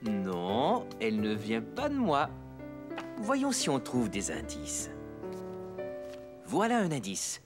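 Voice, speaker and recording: An actor playing a patient, playful father in a children's cartoon dub, gently explaining things to a child. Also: medium pitch, wildly swooping pitch, slow pace, long pauses, over music. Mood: playful, helpful.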